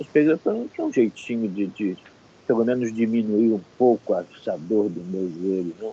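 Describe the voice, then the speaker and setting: With a dark, mellow tone, a man speaks at a moderate pace, his medium pitch showing ordinary variation. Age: 80s+. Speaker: spiritist study group member. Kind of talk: casual chat.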